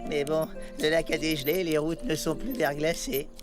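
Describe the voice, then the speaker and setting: An actor playing an excitable, bickering, scatterbrained young male worker critter in a children's cartoon, with animated exclamations. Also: mid-range voice, moderate pace, over music, close to an everyday voice. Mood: bickering, eager.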